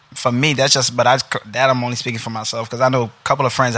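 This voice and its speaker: A man's medium-pitched voice with an American accent, monotone, flat intonation and a very fast pace, over noticeable background noise. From Brooklyn, New York. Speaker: podcast guest. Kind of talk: casual chat.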